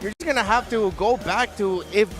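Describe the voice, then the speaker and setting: A man from the Philippines giving measured, thoughtful esports analysis at a broadcast desk. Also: high voice, fairly bright tone, faint music behind.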